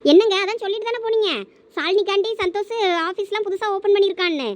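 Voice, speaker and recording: A fussy, fretful cartoon village wife and mother, voiced by a woman, with a Thoothukudi Tamil accent. Her voice is very high and she chatters fast. She fusses over family trouble. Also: no room sound. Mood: worried. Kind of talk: cartoon voice acting.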